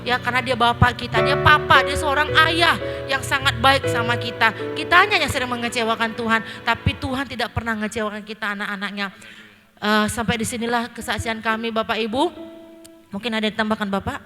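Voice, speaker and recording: Woman, church testimony, earnest, high voice, long hall reverb, loud music behind. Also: fairly even intonation, a little fast. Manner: earnest, emotional, addresses the congregation repeatedly. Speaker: church member giving testimony. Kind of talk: testimony at a worship service. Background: loud worship music.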